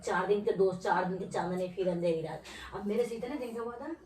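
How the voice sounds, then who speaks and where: A woman's voice: mid-range voice, fairly quick, a little mellow. A young wife scolding her husband in a heated, sarcastic domestic argument. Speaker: wife of the vlogger. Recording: echoey room, voice from a distance.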